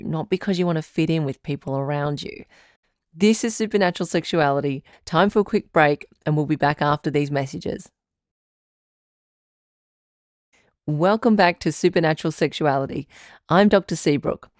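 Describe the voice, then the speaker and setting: A woman playing a calm, caring radio advice doctor who hosts a call-in show in a measured, reassuring way. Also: low-pitched, no room sound, clean studio sound, close to an everyday voice. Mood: composed.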